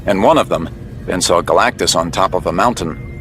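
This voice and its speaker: A man giving scripted, measured narration of a story. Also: low-pitched. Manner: measured, deliberate. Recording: loud music bed.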